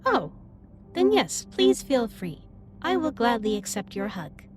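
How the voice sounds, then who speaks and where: A woman playing a gentle, earnest female alien starship captain in an audio roleplay, speaking in formal, precise sentences straight to the listener. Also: on the high side, sing-song, a little slow. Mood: curious, warm. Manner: formal, precise, slightly stilted wording.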